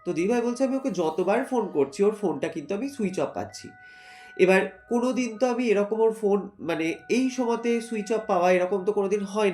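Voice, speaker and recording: A man's voice: high voice, a little mellow. A man retells a listener's true ghost story in a casual, rambling way, full of fillers. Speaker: horror story narrator. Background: faint background music.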